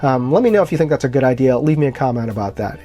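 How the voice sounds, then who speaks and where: A man's voice: mid-range voice, animated, rapid-fire, warm tone, faint music behind. A man hosting a casual product review, explaining things informally with colloquial phrases as he demonstrates gear. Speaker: product reviewer and channel host.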